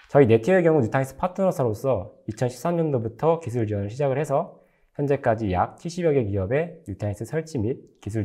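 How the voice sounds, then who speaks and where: A man's voice: medium pitch, dark tone. A man presenting a prepared technical webinar lecture in a formal, explanatory manner. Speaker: technical lecturer, company engineer.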